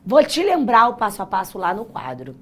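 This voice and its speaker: Hoarse, husky Brazilian woman teacher. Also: mid-range voice, wildly swooping pitch, brisk. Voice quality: naturally husky, raspy. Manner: chatty, encouraging, addresses students directly. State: hoarse, voice worn out. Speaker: chemistry teacher hosting a live exam-prep class. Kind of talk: live online lesson, informal pep talk.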